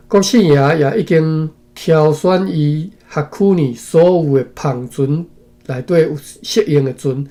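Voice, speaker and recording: A man's voice: on the high side, warm tone. A man from Taiwan reads a historical text aloud in short phrases and stops often to add his own comments and tag particles. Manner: reads slowly in phrases, adding asides and frequent tag particles. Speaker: reader and commentator.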